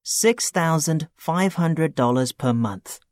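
A man playing a young man looking for a part-time job, talking in a plain, steady, matter-of-fact way in a scripted dialogue. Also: fairly high pitch, slow pace, no room sound, clean studio sound. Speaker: student character in a listening test.

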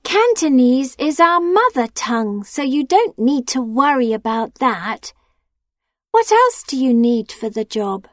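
A woman playing a supportive young female friend who asks clearly enunciated questions in a scripted dialogue. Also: sits high, sing-song, measured pace, dry recording, clean studio sound. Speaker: friend character in a listening test.

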